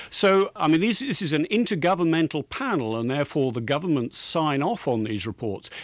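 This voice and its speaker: In an English accent, the speaker moves at a fairly quick pace with hardly any pauses and very wide pitch swings. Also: man, fairly high pitch for a man. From England. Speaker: science journalist. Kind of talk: interview.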